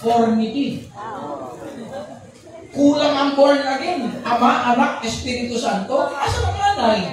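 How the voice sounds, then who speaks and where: A man's voice: very high-pitched, expressive, normal speed, over music, a crowd in the background. A man preaching a sermon, joking and quizzing his congregation with questions. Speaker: pastor. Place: church hall with congregation. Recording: echoey hall from far off with background noise.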